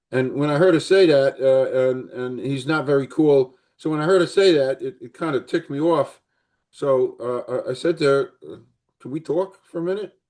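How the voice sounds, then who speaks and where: A man with a New Jersey accent talks at a moderate pace, his pitch fairly high with ordinary variation and big swings in loudness. The background is quiet. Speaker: interview show host. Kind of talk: casual interview chat. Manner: halting, many repetitions.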